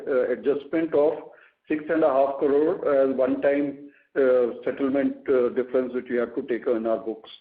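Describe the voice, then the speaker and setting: A man giving halting, matter-of-fact answers as a finance executive on an earnings call. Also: medium pitch. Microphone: conference call phone. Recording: echoey narrowband phone line.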